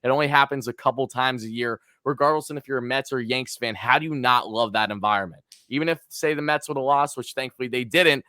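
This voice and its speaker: Hoarse, hyped-up male sports podcaster. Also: medium pitch, quick pace, hardly any pauses, no room sound, clean studio sound. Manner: excited, fan-like, hyped. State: hoarse from cheering. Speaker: podcast host. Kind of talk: casual sports podcast chat.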